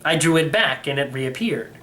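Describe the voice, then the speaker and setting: A man's voice: a little high, expressive, moderate pace, pushed and bright, slight background noise. A man reading first-person story narration from a script, as an audiobook reader.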